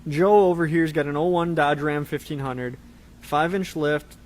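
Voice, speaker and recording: A man's voice: a little high, steady tone, moderate pace. A man co-hosting a live show, talking casually and rambling with fillers. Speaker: co-host of a live truck parts show. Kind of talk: casual chat.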